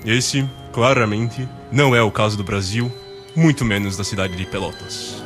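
Man as deadpan, pedantic Brazilian narrator. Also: on the low side, moderate pace, music in the background, natural voice. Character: measured, dryly sarcastic documentary-style narrator. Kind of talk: scripted radio drama narration.

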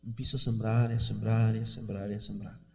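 A man's voice: fairly low pitch, flat delivery, a little fast, fairly bright tone, long reverb tail. A man preaching a sermon in a church, fervent and conversational, often calling the listener "brother". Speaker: pastor.

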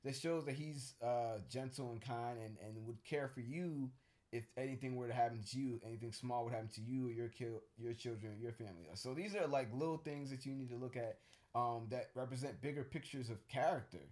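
A man's voice: mid-range voice, a little fast, darkish tone. A man co-hosting a casual podcast chat, talking in a rambling, thoughtful way with many fillers and restarts. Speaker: co-host.

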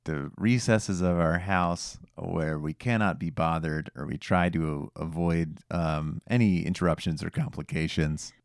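A man's voice: low-pitched, a little slow, few pauses, no room sound. A man co-hosting a podcast in casual chat, with a playful, dry joking manner. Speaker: podcast co-host.

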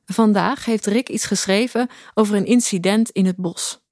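An actress playing a detached, introspective woman who narrates her own story in a deadpan, reflective way for an audio drama. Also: mid-range voice, normal speed, background noise, natural voice. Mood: matter-of-fact. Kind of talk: scripted first-person audio drama narration. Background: music.

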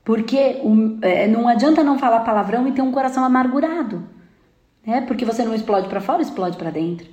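A woman's voice: fairly high pitch, animated, fast talker, mellow, echoey room. A woman with a Brazilian Portuguese accent giving an emphatic spiritual self-help talk, often checking in with "né?" and "tá?". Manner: emphatic, frequent "né?" and "tá?" checks, mimics complainers. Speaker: spiritual speaker.

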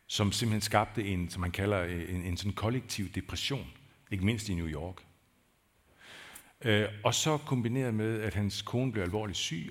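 A male pastor delivers a sermon in a church with a fairly low voice. He talks to the congregation in a loose, conversational way. He falters over words at times and builds to emphatic peaks.

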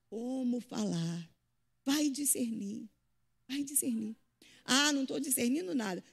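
A woman preaching a sermon to a church, lively and full of swings between loud and soft, acting out the voices she quotes. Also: fairly high pitch, creaky, husky. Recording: long hall reverb.

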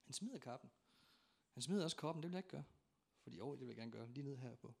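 A man preaching a sermon in a church, telling stories with dramatic acted-out voices and sudden shouts. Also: mid-range voice, expressive, gravelly, slightly rough. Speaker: pastor.

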